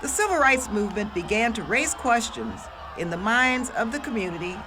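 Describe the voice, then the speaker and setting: A woman's voice: on the high side, animated, normal speed, music in the background, poor audio. A woman giving formal explanatory commentary for a documentary.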